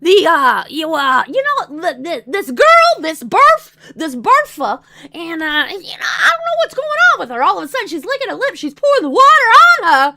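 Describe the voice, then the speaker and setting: A woman's voice: extremely high pitch, big pitch swings, normal speed, pushed and bright, pitched above the performer's own voice, full character voice. A woman putting on a rowdy Canadian man from Ontario who rambles crudely with lots of fillers. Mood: rowdy, mocking.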